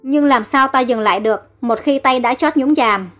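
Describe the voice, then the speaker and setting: A woman narrating an audiobook story, reading every character's lines herself in a steady voice. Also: high voice, normal speed, soft background music.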